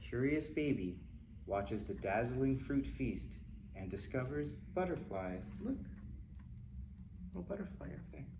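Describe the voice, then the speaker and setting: With a mid-range, slightly creaky voice, big pitch swings, and a somewhat slow pace, a man reads picture books aloud for children at library storytime. He voices animal sounds and exclamations and adds chatty, playful asides, and the room is echoey with faint noise behind him.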